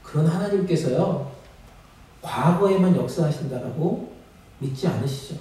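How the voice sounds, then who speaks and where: A man with a slightly high, expressive voice and a dark tone preaches a sermon at normal speed, calling out to his congregation and climbing to emphatic peaks. He's in a church sanctuary, and the distant mic picks up plenty of echo.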